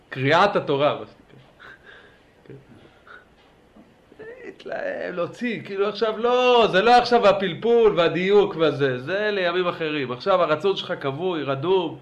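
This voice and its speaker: A man teaching a religious class in a lively lecture style, urging his listeners on and asking them questions. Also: high voice. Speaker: Torah teacher.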